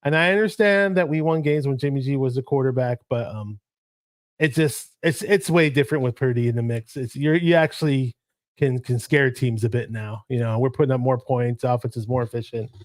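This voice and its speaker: A man's voice: mid-range voice, fairly quick, no echo. A man hosting a casual sports podcast, talking in a rambling way with many restarts. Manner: rambling, full of restarts and fillers. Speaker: podcast host. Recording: dry close audio.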